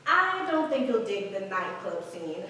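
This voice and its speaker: A woman's voice: medium pitch, unhurried. A woman acting a sassy, skeptical African American performer of the 1950s in a staged play reading. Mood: teasing, skeptical. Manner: sardonic, animated. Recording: echoey hall from far off, faint noise.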